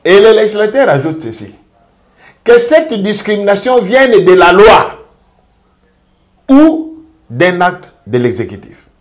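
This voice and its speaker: Emphatic man making a measured legal case. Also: high-pitched, sing-song. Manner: emphatic, measured legal argument with deliberate repetition. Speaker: jurist. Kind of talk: interview commentary.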